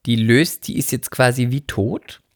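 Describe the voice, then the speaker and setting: A man's voice: medium pitch, a little slow, no echo, clean studio sound. A man from the Palatinate, co-hosting a podcast, who tells stories animatedly and dramatically with self-mocking humor. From Palatinate, Germany. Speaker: podcast co-host. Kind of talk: casual chat.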